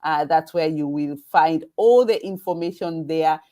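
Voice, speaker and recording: Woman, Kenyan accent, lowish voice, event host, halting with fillers, video call. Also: mellow. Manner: halting, with many fillers and restarts. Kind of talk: live webinar presentation.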